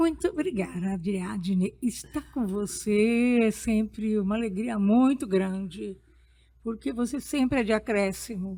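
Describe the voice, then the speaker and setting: Speech at a fairly slow pace with lively intonation and a somewhat breathy quality, captured in a very clean recording against a silent background. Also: woman. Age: 70s. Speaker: social worker with marginalized women. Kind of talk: interview.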